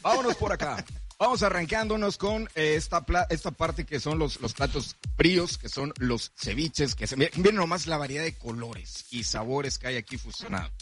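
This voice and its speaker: Brief: Mexican male radio host, slightly high voice, promo patter on a live remote. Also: animated, normal speed, fairly bright tone. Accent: Mexican Spanish. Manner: upbeat promotional announcer patter. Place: hotel restaurant, live remote broadcast.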